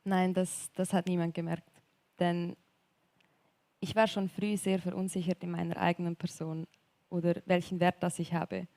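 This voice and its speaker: A woman's voice: lowish voice, level tone, no room sound. A young woman from Graubünden with a Swiss accent, speaking hesitantly and reflectively as a guest telling her life story on a church stage. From Graubünden, Switzerland. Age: young adult. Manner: soft, hesitant, reflective, with frequent pauses and fillers. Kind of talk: personal testimony interview in a church service.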